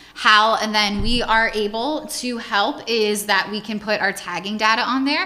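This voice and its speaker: The speaker, with an American accent, keeps a moderate pace with hardly any pauses and ordinary pitch variation. Noticeable background noise and audible room echo fill the recording. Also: woman, fairly high pitch for a woman. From Pennsylvania, US. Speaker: shark conservation educator. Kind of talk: public lecture. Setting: presentation to audience. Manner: conversational, some stumbling.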